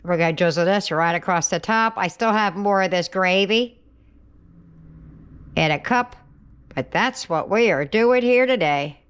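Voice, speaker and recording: A woman's voice: mid-range voice, measured pace, pauses often, fairly bright tone, clean tone. A woman hosting a home cooking video, chatting casually in her kitchen and at the family table, sometimes talking with her mouth full. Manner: chatty and homey, talks while eating.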